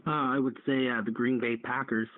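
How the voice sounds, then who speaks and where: A man's voice: medium pitch, level tone, moderate pace, no echo. A man taking part in a quiz, guessing casually and hesitantly over a tinny radio line. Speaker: quiz contestant.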